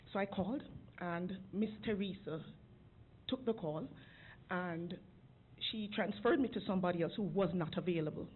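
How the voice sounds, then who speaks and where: A woman making an earnest, emotional public comment at a city council podium microphone. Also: fairly low pitch. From outside Georgia. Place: city commission chamber. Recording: phone-like lo-fi council recording with faint hiss.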